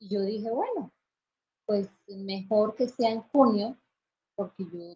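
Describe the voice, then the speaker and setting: A woman's somewhat breathy, medium-pitched voice with a Bogotá accent, at a fairly slow pace with fairly even intonation. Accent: Bogotá Colombian Spanish. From Colombia, Bogotá. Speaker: former teacher giving a faith testimony. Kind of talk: testimony. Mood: earnest, reflective. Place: home room. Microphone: video call.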